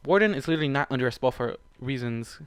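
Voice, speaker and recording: A man's voice: mid-range voice, lively intonation, fast talker, smooth, dry recording. A man reading fan fiction aloud and ranting about it in an exasperated, profane way, addressing the characters directly. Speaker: fan fiction reader and reactor. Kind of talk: reading a story aloud with angry ranting commentary.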